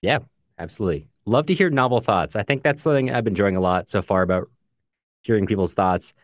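Male podcast co-host, low register, conversational and chatty, recorded dry. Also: expressive, fast talker, dry recording. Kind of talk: casual book discussion podcast, reading listener comments.

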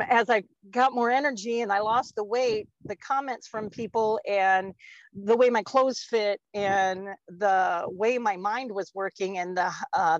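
A woman's voice: medium pitch, dry recording. A woman in her fifties chatting casually on a podcast, rambling with lots of fillers and frequent laughs. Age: 50s. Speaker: guest. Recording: dull lo-fi dry sound.

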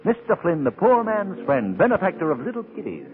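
An actor playing a suave, wry gentleman sleuth in an old-time radio drama, urbane and drily ironic, on a tinny old recording. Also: high-pitched, huge pitch swings, a little fast, over music. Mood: wry, scheming.

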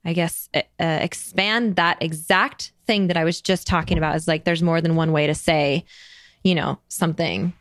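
A woman's voice: low-pitched, steady tone, moderate pace, dry recording. Chatty, bubbly woman with a dry sound. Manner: bubbly, chatty, full of fillers. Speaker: podcast host. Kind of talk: casual conversation.

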